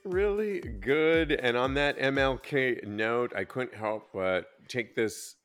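A man's voice: mid-range voice, slow, fairly bright tone, smooth, soft background music. A man hosting a podcast in an effusive, emphatic, casual chatting style. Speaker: podcast host. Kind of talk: casual chat.

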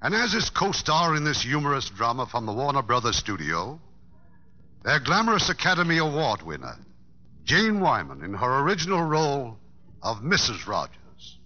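A man hosting a radio theater in a formal, grand and measured scripted style from the 1950s. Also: medium pitch, big pitch swings, sharp tone. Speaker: radio theater host and announcer. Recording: dull old radio broadcast recording.

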